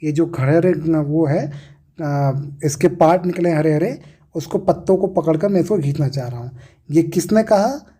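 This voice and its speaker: Teacher explaining a lesson, warm tone, raspy edge, asks and answers own questions. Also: mid-range voice, moderate pace. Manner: asks questions and answers them, repeating key words. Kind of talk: explaining an English reader lesson.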